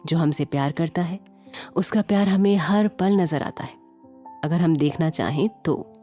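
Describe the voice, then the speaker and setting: Woman doing a calm caring husband, soft steady voice, light music behind. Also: sits low, unhurried. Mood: gentle. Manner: calm and gentle, at times stern. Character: caring, protective young man.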